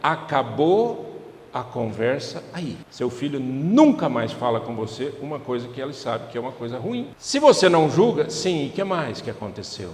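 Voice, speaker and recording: A man's voice: mid-range voice, very animated, normal speed, darkish tone. A man with a Brazilian Portuguese accent preaching a sermon in a conversational way, often putting questions to the congregation. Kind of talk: church sermon. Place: church hall. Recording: echoey church hall with long reverb.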